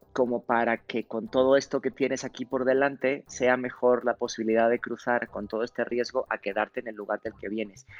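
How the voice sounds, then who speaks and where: Flat and monotone, a man speaks at a fairly quick pace with hardly any pauses. The sound is dry and close, without echo. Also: medium pitch for a man. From Spain. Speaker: startup worker, former advertising creative. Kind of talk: interview conversation.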